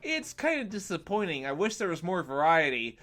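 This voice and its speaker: Guy doing a game review voiceover, kinda high voice, swings up and down a lot, sarcastic. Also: very animated, normal speed, fairly bright tone. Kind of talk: scripted video review narration.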